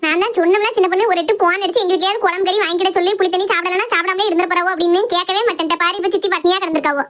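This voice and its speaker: A woman doing a brisk, teasing village woman. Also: extremely high pitch, fairly even intonation, a bit bright. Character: sharp-tongued village working woman. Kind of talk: cartoon voice acting.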